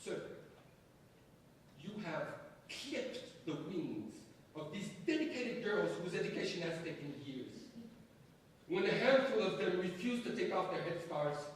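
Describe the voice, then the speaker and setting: A fanatical young gunman acted by a man on stage, high in pitch, sliding between mock courtesy and bullying threats. The voice comes from well away from the mic in a very echoey space. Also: animated, a little slow. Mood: accusing. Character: fanatical young male gunman menacing a professor. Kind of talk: dramatic staged reading. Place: theatre space at a staged reading. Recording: echoey hall, distant mic, faint noise.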